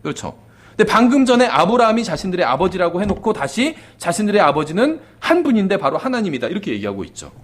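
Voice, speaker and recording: A male pastor delivers a brisk, conversational sermon in a voice a bit higher than most men's, with big swings in pitch. He often asks the congregation "그렇죠?" and lets the ends of phrases sink to a soft, low voice.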